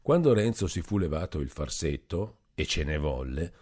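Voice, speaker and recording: A man reading a classic novel aloud as narrator, in measured, expressive storytelling. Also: a bass voice.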